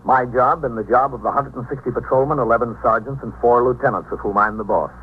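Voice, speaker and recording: An actor playing a calm police captain who narrates in a measured, matter-of-fact 1950s radio drama style. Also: male voice, medium pitch, close to an everyday voice. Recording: tinny old radio recording with faint hiss.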